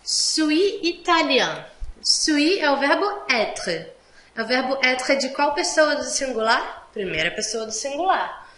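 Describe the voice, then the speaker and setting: Slow patient woman teaching French. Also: sits high, lively intonation, a bit bright, reverberant. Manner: mixes Portuguese explanations with French examples. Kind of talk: online language lesson.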